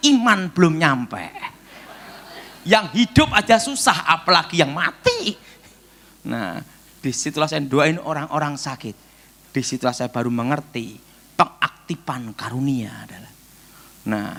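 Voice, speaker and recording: A male evangelist tells his story from the pulpit, voicing each person in it and calling out prayers. His voice is bright and lively, leaping up and down in pitch. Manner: animated storytelling, acts out dialogue, shouts prayers. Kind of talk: sermon testimony.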